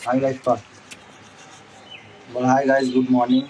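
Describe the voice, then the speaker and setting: A man's voice: medium pitch, monotone, moderate pace, a little mellow. Man, casual home vlog, chatty, talks to viewers, handheld phone, noisy background. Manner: chatty, addresses viewers directly, repeats "to" as filler. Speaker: vlogger. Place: home, indoors and yard.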